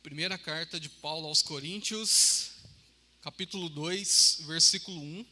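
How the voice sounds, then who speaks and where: A man from Brazil preaches in a hall with a long, ringing reverb. His voice sits high and very bright, and he talks in a chatty, joking way, often asking his listeners for agreement. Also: measured pace. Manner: chatty, joking, with frequent "amém?" and "né?". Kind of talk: sermon. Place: church hall.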